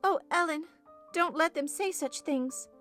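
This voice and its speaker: A woman's voice: high voice, big pitch swings, normal speed, fairly bright tone, faint music behind, pitched above the performer's own voice. A woman voicing a spoiled, imperious and petulant young girl in an audiobook, easily upset and indignant. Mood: distressed. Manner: haughty, petulant, demanding. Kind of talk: audiobook character voice.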